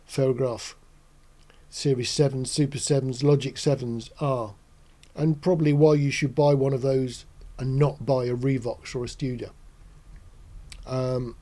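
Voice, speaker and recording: A man in his sixties hosting a casual explanatory talk in a measured, reflective, matter-of-fact way. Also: medium pitch, warm tone. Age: 60s. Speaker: host. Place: small indoor studio.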